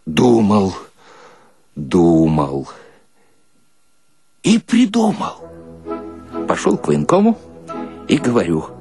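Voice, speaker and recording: A man's voice: sits low, wildly swooping pitch, slow pace, long pauses, mellow, husky, no room sound, faint music behind, exaggerated voice. An actor playing a cunning, indignant, uneducated soldier who tells his tale in a folksy, colloquial way for radio. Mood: brooding, scheming. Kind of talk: radio monologue acting.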